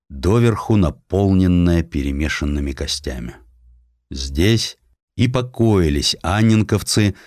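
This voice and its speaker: A man reading a scripted historical narrative in a measured, grave storytelling manner. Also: sits low, a little mellow, dry recording, clean studio sound. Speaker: audiobook narrator.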